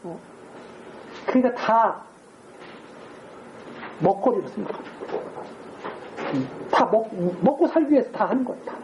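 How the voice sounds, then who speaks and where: A woman's voice: fairly high pitch, big pitch swings, a little slow, long pauses, roomy sound, lo-fi sound, noisy background. A woman preaching a sermon in a conversational way, asking her listeners rhetorical questions and acting out quoted speech. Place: church sanctuary.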